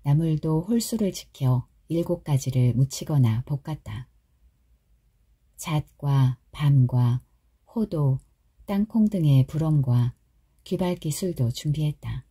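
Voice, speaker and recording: A woman reading a short story aloud as a calm, soft bedtime audiobook narrator. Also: deep voice, slow, slightly rough. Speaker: audiobook reader.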